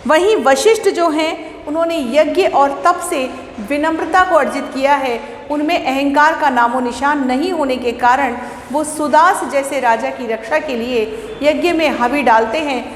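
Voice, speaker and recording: This fairly high-voiced woman is a school Hindi teacher, walking children through each point patiently and answering her own questions. The setting sounds like a classroom, with a long reverb tail and faint ambient noise in the roomy recording.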